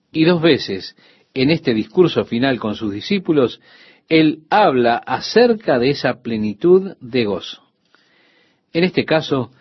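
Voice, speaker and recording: A man's voice: mid-range voice, breathy edge, no echo, lo-fi sound. An older man, a pastor, giving a radio sermon in an earnest teaching tone with rhetorical questions to the listener.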